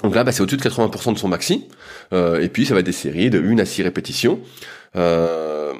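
A man's voice: low-pitched, fast talker. A man, a strength coach, explaining training in a loose, casual way with frequent hesitations and fillers.

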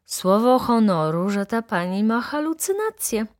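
An insolent young male student, voiced by a woman narrator mocks with a syrupy, sly sweetness. He drawls his excuses in a storybook reading, slightly higher than the narrator. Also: big pitch swings, unhurried, no echo, clean studio sound. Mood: mocking. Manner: sugary, sly and mocking.

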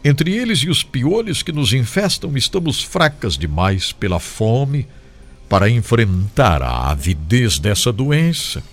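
A man giving an expressive, dramatic reading of a first-person memoir as a devotional reader, slowing for solemn moments. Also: medium pitch, faint music behind.

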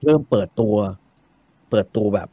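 A man's voice: moderate pace, mellow, dry recording. A man talking casually and animatedly about novels, swearing freely and repeating words for emphasis. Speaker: guest discussing novels. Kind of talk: casual chat.

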